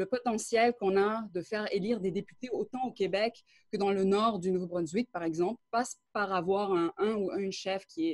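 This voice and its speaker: The woman has a plain, everyday voice, medium pitch, ordinary pitch variation and a moderate pace, heard as a dry, close sound with no echo. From Quebec, Montreal. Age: 30s. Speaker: politician. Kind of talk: political debate speech.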